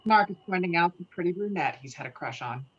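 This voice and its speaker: A woman's voice: on the low side, animated, fast talker, slightly rough. A woman narrating the stage directions of a screenplay in an online table read, with muffled lo-fi sound. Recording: muffled lo-fi video call audio.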